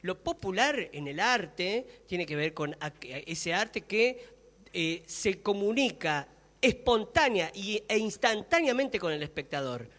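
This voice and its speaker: A man with an Argentine accent discussing his views at a public talk, emphatic and halting, repeating himself. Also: sits high, very animated, fairly bright tone. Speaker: guest speaker. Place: public talk room in a library. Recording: echoey hall reverb.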